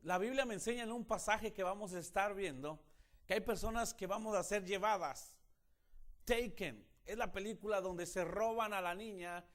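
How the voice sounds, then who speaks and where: A male pastor preaching a sermon, retelling a film as a dramatic story and dropping to a hushed voice at tense moments. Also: high-pitched, normal speed. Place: church.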